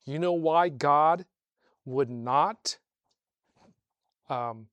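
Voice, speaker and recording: A man preaching a sermon to a congregation, asking rhetorical questions and slowing down to stress key phrases. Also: on the high side, no room sound, lo-fi sound. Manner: swells louder on key phrases, slows for emphasis. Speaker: pastor.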